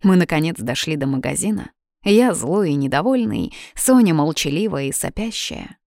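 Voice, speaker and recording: Woman narrating an audiobook, lowish and dry. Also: moderate pace, gravelly, no room sound. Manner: even storytelling reading. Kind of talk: scripted first-person narration.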